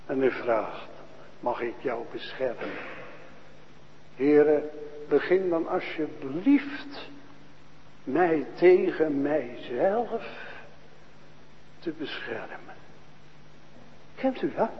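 A man preaching a sermon to a congregation, asking questions and answering them, dropping to a hush and then rising to loud proclaiming. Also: a little high, lively intonation, in a large hall, highs cut off, a little hiss or hum. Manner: slow, questioning, swings from hushed to loud proclaiming. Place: church.

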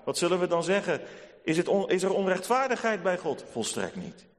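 Preacher guy giving a sermon, slow and solemn, kinda high voice, big church echo. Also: big pitch swings. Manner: solemn, measured preaching with rising emphatic peaks. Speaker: pastor. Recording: long church reverb.

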